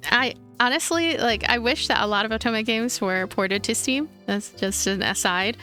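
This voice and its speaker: A woman with a high voice plays through a visual novel, reading it out like a story and chatting casually in between. Faint music plays behind her. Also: a bit bright. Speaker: let's play streamer.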